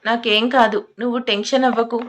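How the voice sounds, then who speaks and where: A woman's voice: fairly high pitch, flat delivery, fairly quick, fairly bright tone, close to an everyday voice. Storybook role: soothing, pleading young husband, voiced by a woman narrator. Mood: reassuring. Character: worried young husband, gentle and reassuring.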